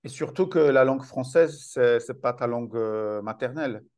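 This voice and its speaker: Host: man, mid pitch, non-native French, stammering repetitions as he frames questions. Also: a little mellow. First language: not French. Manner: halting, repeats words. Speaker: host, interviewer. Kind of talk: interview questions.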